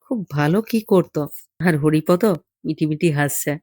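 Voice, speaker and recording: A narrator reading a literary short story in an intimate, gentle fireside storytelling manner. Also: mid-range voice, normal speed, no room sound, studio quality. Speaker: audiobook story reader.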